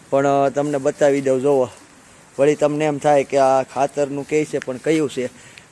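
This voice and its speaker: A fairly high-pitched man's monotone, flat delivery, dry and close with no echo, amid noticeable background noise. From Saurashtra, Gujarat (Amreli district). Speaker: farmer and village vlogger. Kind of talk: casual vlog narration. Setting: outdoors on a farm in rain.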